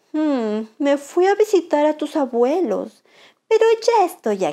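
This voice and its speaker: Using a put-on character voice, a woman speaks fairly slowly at a high pitch with very wide pitch swings, captured in a very clean recording against a silent background. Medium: read story.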